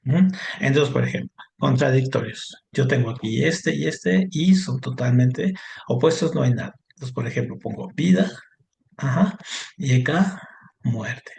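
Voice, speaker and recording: A man's voice: medium pitch, animated, a little slow, vocal fry, darkish tone. A man teaches a lesson in an explanatory way. He keeps checking in with his listeners, with many short questions and fillers. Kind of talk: online class lesson.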